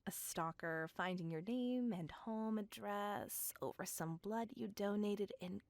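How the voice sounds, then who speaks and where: A woman's voice: mid-range voice, measured pace, no room sound, lightly acted. A woman playing Val, a possessive vampire. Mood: apologetic. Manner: formal, courteous old-fashioned speech; whispering intimately. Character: possessive, polite female vampire stalker. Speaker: voice actor. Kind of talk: ASMR roleplay.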